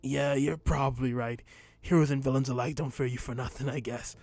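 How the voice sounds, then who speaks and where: A man's voice: mid-range voice, fairly even intonation, fairly quick, a little mellow, no room sound, close to an everyday voice. A man voicing a nervous, sweating male henchman in a storybook reading, speaking awkwardly and hesitantly. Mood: uneasy.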